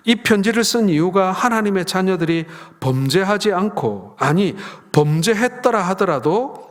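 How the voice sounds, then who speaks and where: Middle-aged male pastor, lively storyteller voicing family dialogue, slightly raised pitch, echoing sanctuary. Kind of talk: sermon. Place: church sanctuary. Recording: long reverb of a church hall.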